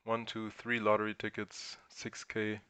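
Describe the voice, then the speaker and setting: A man's voice: on the low side, monotone, a little slow, pushed and bright, clean tone, no echo. A man from Germany whose first language is German, hosting a casual livestream and thinking aloud while he answers chat questions. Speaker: crypto livestream host.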